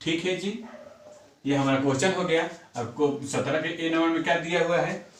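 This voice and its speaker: Man, math teacher, fairly high voice, echoey room, mic far away. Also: steady tone, a little fast. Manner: repeats numbers aloud while working sums, asks and answers own questions. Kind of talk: classroom math lesson.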